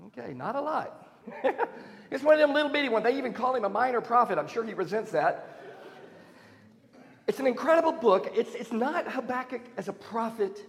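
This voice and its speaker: A man preaching a sermon as pastor, conversational and self-deprecating, in a church sanctuary. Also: sits high. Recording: long reverb in a church hall.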